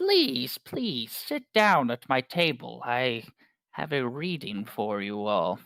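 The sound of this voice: A man does a put-on character voice at a medium pitch, cackling and speaking at a very slow pace. The recording is very clean, with a silent background.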